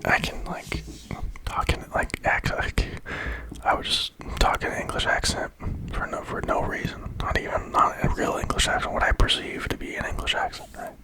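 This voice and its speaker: Whispering ASMR creator, musing softly. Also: normal speed, low-quality recording. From America. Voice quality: breathy, unvoiced whisper. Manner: musing, meandering, playful. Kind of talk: whispered ASMR, rambling casual chat.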